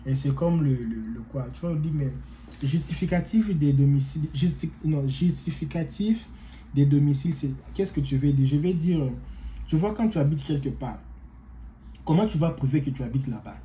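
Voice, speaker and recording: Rambling man with a very dark voice. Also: a little high, moderate pace, slight background noise. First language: not French. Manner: rambling, repeats himself, many hesitations. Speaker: vlogger giving advice. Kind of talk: casual advice talk to viewers.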